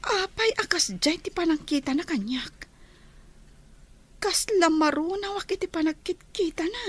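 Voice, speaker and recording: A gentle young eatery worker. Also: female voice, extremely high pitch, lively intonation, measured pace. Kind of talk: Ilocano radio drama acting.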